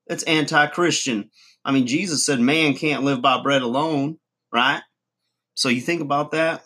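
A man's voice: fairly high pitch, pushed and bright. A man playing a folksy redneck guru. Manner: rambling, folksy, chuckling, mangled words. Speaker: comedy channel host. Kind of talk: comic monologue to camera.

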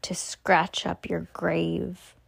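A spooky storybook creature from beyond the grave, put on by a woman reading aloud. It groans in a breathy, menacing voice and stretches every word out very slowly. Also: lowish voice, monotone, pitched below the performer's own voice, exaggerated voice. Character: groaning undead creature seeking its missing toe.

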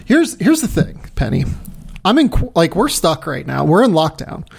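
A man's voice: on the high side, sing-song, moderate pace, gravelly, slightly rough. A man hosting a podcast in casual chat, talking loosely and repeating words. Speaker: podcast host.

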